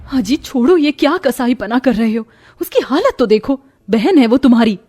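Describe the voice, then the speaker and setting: A woman's voice: fairly high pitch, animated, moderate pace, mellow. A woman voicing an anxious middle-aged mother in a cartoon, pleading urgently.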